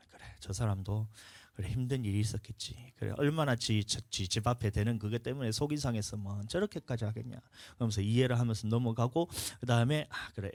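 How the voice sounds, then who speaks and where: Animated pastor. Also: male voice, medium pitch, no room sound, studio quality. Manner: animated storytelling, acts out a quarrel. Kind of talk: sermon. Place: church.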